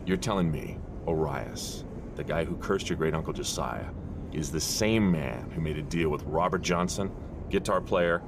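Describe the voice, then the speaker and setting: Disbelieving fellow, very deep bass, audio drama, clear ambient noise behind. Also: male voice, normal speed. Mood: incredulous. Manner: incredulous, interrupting. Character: incredulous man questioning a tall tale. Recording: noisy background ambience.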